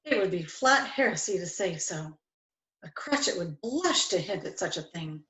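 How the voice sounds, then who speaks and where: A woman playing a kindly, good-humoured father in a storybook play, expressive and affectionate. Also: fairly low pitch, moderate pace. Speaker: amateur reader, library staff. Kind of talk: dramatic reading of a classic story. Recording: echoey room.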